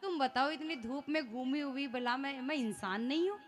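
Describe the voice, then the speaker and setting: A woman voicing Krishna disguised as a pushy female jewellery seller, loud and complaining. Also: fairly high pitch, fairly even intonation, slow pace, faint music behind. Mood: aggrieved.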